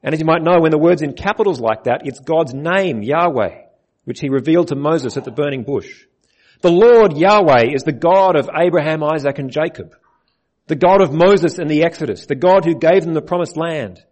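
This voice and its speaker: A man preaching an earnest sermon, his voice a little husky and pitched a touch high. He reads scripture aloud and asks his listeners direct questions as he explains it. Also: lively intonation, normal speed, darkish tone. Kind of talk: sermon on a Bible passage.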